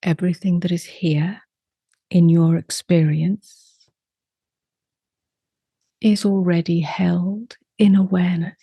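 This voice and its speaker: A woman guides a meditation in a slightly low, mellow voice. She is soft and breathy, sometimes close to a whisper. Her phrases are short and very slow, with long silences between them. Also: level tone, no echo. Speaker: meditation teacher.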